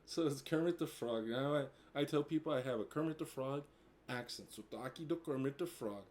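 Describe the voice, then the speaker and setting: A man's voice: mid-range voice, normal speed, a little mellow. A man in his forties, a native English speaker, talking casually and hesitantly to camera, with many fillers, and switching between Portuguese and English. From United States. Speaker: vlogger. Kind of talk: casual bilingual talk to camera.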